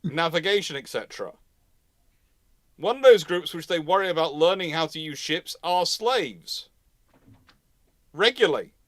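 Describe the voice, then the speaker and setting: A man's voice: fairly high pitch, animated, moderate pace, pauses often, no room sound, clean studio sound. A man hosting an unscripted live history question-and-answer session, talking discursively and correcting himself as he thinks aloud. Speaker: naval history host answering audience questions.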